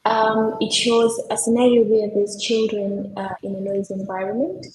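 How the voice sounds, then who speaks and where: A young woman from Kenya talks through her team's tech project in an earnest, explanatory way, often pausing on fillers. Her voice sits in the middle of the range. The room around her rings with echo, and there is a faint hiss of background noise. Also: medium pitch, steady tone, darkish tone. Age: young adult. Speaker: software developer presenting her team's project. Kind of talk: technical project demo.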